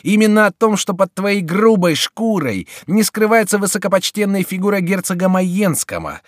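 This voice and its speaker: A raised, taunting jester's voice in an audiobook, as a male narrator puts him on. He is gleeful and theatrical and rides his pitch up and down with every jab. The recording is dry and close. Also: no room sound. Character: gleeful, mocking male jester getting revenge.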